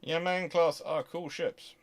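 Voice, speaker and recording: Slow and fairly even in intonation, this fairly high-pitched male host takes audience questions in an unscripted Q&A. His answers wander as he thinks things through out loud.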